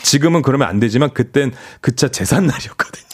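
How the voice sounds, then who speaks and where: A man's voice: mid-range voice, lively intonation, quick pace, husky. A man co-hosting a radio show, reacting with exclamations and reading listener stories aloud. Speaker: radio co-host.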